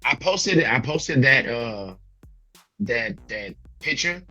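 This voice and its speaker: A man in his thirties from Louisiana with a raspy voice, chatting casually and reflectively as an interview guest. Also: medium pitch, lively intonation, slow pace, pushed and bright, no echo, soft background music. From Louisiana, United States.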